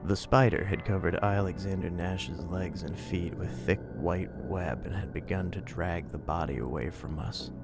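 A man playing a grim hardboiled investigator, narrating an audio drama in a deliberate, dramatic way. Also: deep voice, fairly even intonation, gravelly. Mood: grim, suspenseful. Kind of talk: scripted noir-style narration in audio drama. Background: music.

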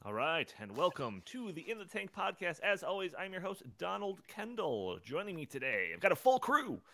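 A man's voice: sits high, big pitch swings, normal speed, creaky, fairly bright tone. A man hosting a live podcast in an informal, joking, chatty way. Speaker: podcast host.

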